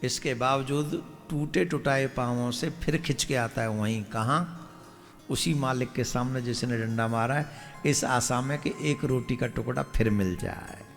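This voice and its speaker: Gravelly Hindu preacher. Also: male voice, medium pitch, measured pace. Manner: dramatic storytelling that acts out family scenes, quizzing the audience. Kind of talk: devotional discourse. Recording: reverberant hall with faint music.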